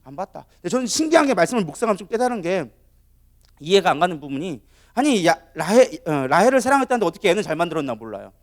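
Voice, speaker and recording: A middle-aged man preaching a sermon as co-pastor, telling the story in an animated way. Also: high voice, rapid-fire. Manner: animated, storytelling with acted-out quotes.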